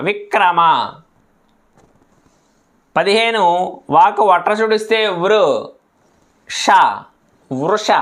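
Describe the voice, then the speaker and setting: High-voiced man slowly spelling syllables. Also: fairly bright tone. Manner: patient, syllable by syllable, repeats words. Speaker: Telugu reading teacher. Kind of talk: slow spelling-out lesson.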